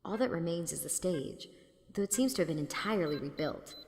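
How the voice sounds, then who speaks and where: A woman's voice: lowish voice, lively intonation, fairly quick, vocal fry, a little mellow, a little hiss or hum. A woman playing an exasperated, sarcastic heroine who also narrates an audio drama, blunt in manner. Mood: uneasy, narrating. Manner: sardonic, blunt. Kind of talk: audio drama acting with first-person narration.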